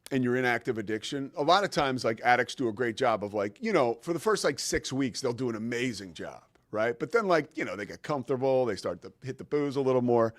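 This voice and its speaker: A man's voice: mid-range voice, no echo. Man, forties, show host, casual storytelling, rambling, restarts, dry studio sound. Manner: rambling, many fillers and restarts.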